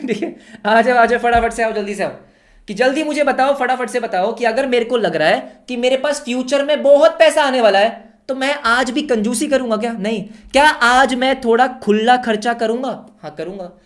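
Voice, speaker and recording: An energetic male teacher giving an online lecture. He keeps firing rhetorical yes-or-no questions at the class and mixes English terms into everyday speech. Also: very high-pitched, moderate pace.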